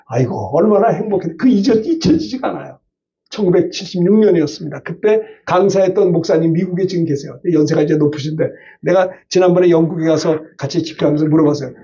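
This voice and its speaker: A man's voice: fairly high pitch, quick pace, mellow, far from the mic, lo-fi sound. An older male pastor preaching a Sunday sermon, emphatic, often turning to the congregation with short questions.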